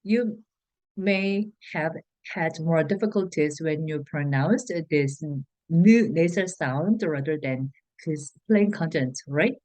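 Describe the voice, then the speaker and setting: A woman with a Korean accent, a native Korean speaker, teaching a language lesson slowly, pausing on fillers and restarting her sentences. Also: low-pitched, darkish tone, no echo, rough recording. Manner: hesitant, many "uh" fillers and restarts. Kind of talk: slow explanatory lesson for learners.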